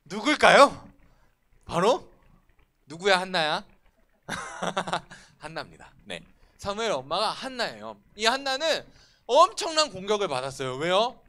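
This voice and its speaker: A man preaching to a church youth group, animated and often asking the students questions. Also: high voice, unhurried. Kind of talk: sermon. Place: church worship room.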